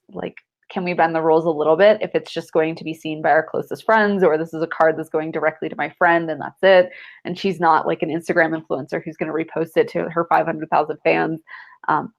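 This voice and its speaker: Congested lawyer woman on a video call, low gravelly voice, dull lo-fi sound. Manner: friendly, laughs often, many ums. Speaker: guest attorney. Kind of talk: casual video chat interview.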